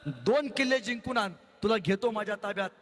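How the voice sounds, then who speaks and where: A man's voice: sits high, lively intonation, brisk. A man voicing an imperious middle-aged Mughal general who talks in a commanding, taunting way, in a hall with long reverb.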